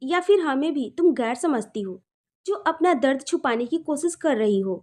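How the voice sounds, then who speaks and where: Woman doing a caring young friend, coaxing, earnest, high and warm. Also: lively intonation, moderate pace. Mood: insistent.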